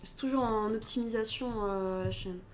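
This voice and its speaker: Give me a chatty young French-accented woman streamer, high voice. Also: moderate pace, a little hiss or hum. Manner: chatty, reads and answers chat, switches languages. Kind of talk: casual live-stream chat.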